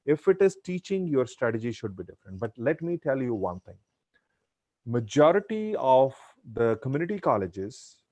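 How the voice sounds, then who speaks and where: A man's voice: mid-range voice, darkish tone, dry recording. Man, earnest advice-giver on a video call, dry close sound. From India. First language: Punjabi. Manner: earnest, advising, with frequent restarts. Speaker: guest speaker. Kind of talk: virtual Q&A chat.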